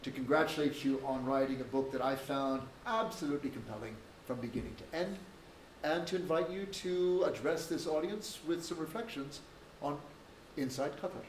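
A man's voice: fairly high pitch, slight background noise. Academic man introducing a speaker in a lecture room. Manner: measured, academic, dryly joking. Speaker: event host introducing a speaker. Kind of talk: formal spoken introduction. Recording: echoey room from far off.

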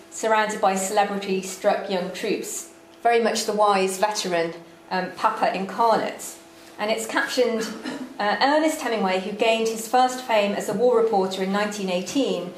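A woman giving a lecture on slides, measured and dry-witted, with frequent ums. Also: medium pitch. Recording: echoey room with faint background noise.

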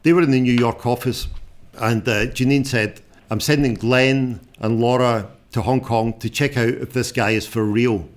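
A man in his sixties speaks with a broad, strong Scottish accent at a middling pitch. He is a journalist giving an unscripted public talk, and his delivery is informal, plain-spoken and somewhat halting. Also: steady tone. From Scotland. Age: 60s.

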